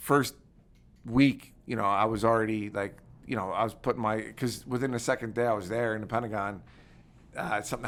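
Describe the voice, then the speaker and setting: Speaking at a very fast pace, a man with a fairly low pitch talks in a Philadelphia accent. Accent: Northeast Philadelphia. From Philadelphia (Northeast Philly), US. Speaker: war veteran and former politician. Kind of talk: podcast interview. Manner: animated.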